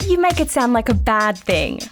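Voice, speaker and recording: A woman's voice: on the high side, big pitch swings, moderate pace, faint music behind. A woman playing a stubborn, wry retro gaming podcast co-host in casual banter. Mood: stubborn, playful.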